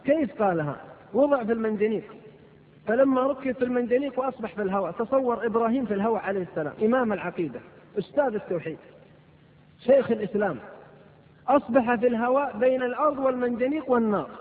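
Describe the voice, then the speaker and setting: A man giving an impassioned sermon, rising into loud declamation. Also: very high-pitched, very fast. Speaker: preacher. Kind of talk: fiery sermon. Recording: tinny lo-fi tape in a reverberant hall.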